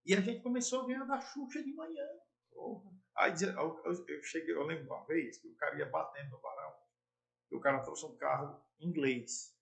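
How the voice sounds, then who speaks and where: A middle-aged man tells stories in a casual, playful way. His voice is a little high and gravelly. He often jumps from soft to loud as he gets animated. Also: brisk. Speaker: former sports broadcaster and TV presenter. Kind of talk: casual storytelling interview.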